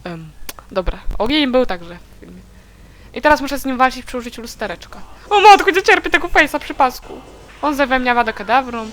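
A woman chatting casually and giggling as she plays through a video game, now and then letting out shrill shrieks. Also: animated, brisk, a bit bright, poor audio. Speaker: let's play gamer. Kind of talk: casual gameplay commentary.

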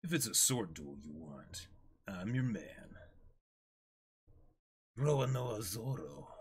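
A man's voice: fairly low pitch, big pitch swings, takes it slowly, slightly rough, full character voice. A man voicing a cocky acrobat swordsman, a pirate second mate, theatrical and formal in a manga reading. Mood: cold, menacing.

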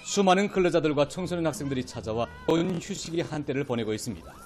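A North Korean-accented man reads scripted news in a fairly high voice. He sounds like a studio anchor, with faint music underneath. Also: fast talker, darkish tone.

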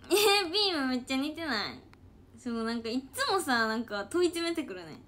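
A woman's voice: high voice, big pitch swings, brisk, sharp tone. A woman with a Kansai accent chatting casually on a late-night livestream, reading comments in a loose, giggly, rambling way and sounding sleepy. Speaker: idol trainee livestreaming.

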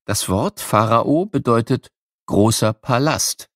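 A man narrating a scripted educational programme for children in an explanatory, measured storytelling manner. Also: mid-range voice, expressive, a bit bright, no room sound, studio quality.

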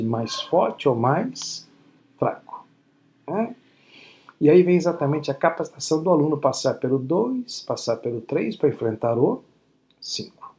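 A man's voice: mid-range voice, a little mellow. Man in his sixties, spiritist lecturer, patient and explanatory, webcam audio with light noise. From Brazil. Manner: teacherly, frequent tag questions. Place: home room at night. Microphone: laptop webcam video call.

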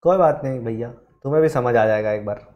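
A man teaching chemistry in a live online lecture, animated, quizzing his students and mixing in English terms. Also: medium pitch, quick pace, roomy sound, dull audio. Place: studio classroom.

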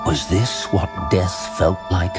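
A man narrating a scripted fantasy audio drama in a measured, theatrical, suspenseful way. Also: deep voice, steady tone, music in the background.

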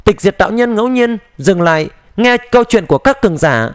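High-voiced male audiobook narrator. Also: expressive, a little fast, clear, resonant tone, dry recording, studio quality. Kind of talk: dramatized audiobook reading of a xianxia novel.

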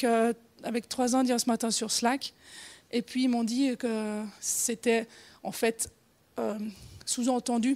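Her voice sits on the high side with a darkish tone. This Swiss conference speaker in her forties has a Genevan French accent and keeps her talk informal, stumbling through fillers and restarts and letting out frequent small laughs.

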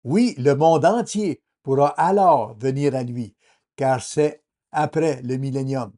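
A man giving a translated sermon as a voice-over in a measured, earnest preaching manner. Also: mid-range voice, mellow.

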